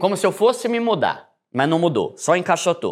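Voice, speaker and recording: A man at a moderate pace, on a very clean recording with a silent background. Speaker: YouTuber. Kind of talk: casual interview chat.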